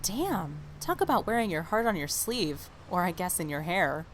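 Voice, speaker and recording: A woman's voice: on the low side, sing-song, normal speed, a little hiss or hum. A woman playing a candid, wry adolescent oracle in an audio drama, with a dry, matter-of-fact delivery.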